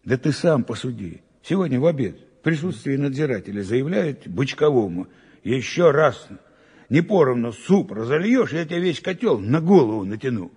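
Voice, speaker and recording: An actor playing a blunt, disapproving prison officer with a rough, husky voice, grumbling colloquially in an audio drama. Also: male voice, mid-range voice, big pitch swings, normal speed, a little mellow, in a large hall. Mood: grumbling, indignant. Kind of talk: Russian audio drama acting.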